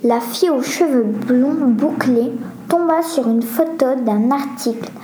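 High-voiced woman reading slowly. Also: mellow. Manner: slow, careful reading with small restarts. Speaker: storyteller. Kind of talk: reading a story aloud. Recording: roomy echo, faint background noise.

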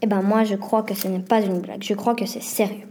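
Timid, jumpy schoolboy, voiced by a woman; anxious protests, mellow tone. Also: medium pitch, steady tone, a little fast, natural voice. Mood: fearful. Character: timid schoolboy, nervous and reluctant.

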